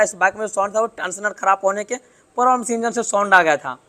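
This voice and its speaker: A man's voice: sits high, fairly bright tone. A man, a motorbike mechanic explaining a repair step by step in a workshop tutorial. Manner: explains step by step, keeps pointing things out.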